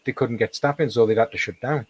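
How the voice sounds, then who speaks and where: A man with a slightly hoarse voice, chatting casually as an interview guest and telling anecdotes with emphatic repetition. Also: mid-range voice, fast. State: slightly hoarse, losing his voice. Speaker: paranormal investigator, interview guest.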